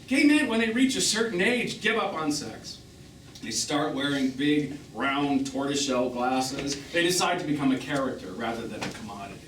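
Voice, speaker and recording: A man's voice: mid-range voice, lively intonation, normal speed, fairly bright tone, distant mic, lightly acted. An actor playing a bitter, witty middle-aged gay man on stage, with a theatrical, sardonic, wordy manner. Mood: scornful, bitter. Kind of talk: one-act stage play acting. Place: small theatre, live performance. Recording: roomy, noisy theatre recording from afar.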